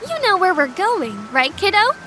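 A woman's voice: very high-pitched, big pitch swings, normal speed, fairly bright tone, full character voice. A woman voicing a flippant, teasing little witch in a fan dub of an anime game, with music behind. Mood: breezy.

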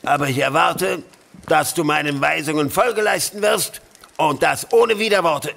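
A man acts out a strict Victorian gentleman for a radio play. He is middle-aged, pious and cold-hearted, and speaks in a pompous, commanding way. There is some noise behind the voice. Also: fairly high pitch, moderate pace, creaky. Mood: stern, pompous. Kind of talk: German audio drama acting.

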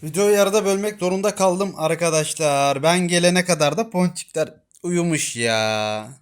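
A man's voice: high-pitched, moderate pace. A man filming his kittens at home, chatting casually to viewers and cooing affectionately at the animals with many repeated words. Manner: cooing and baby-talking to kittens. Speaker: pet vlogger.

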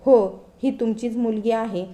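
A woman storyteller reading the lines of an abandoned wife and mother who speaks calmly and firmly. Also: a little high, a little slow, close to an everyday voice. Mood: plain. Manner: calm, firm.

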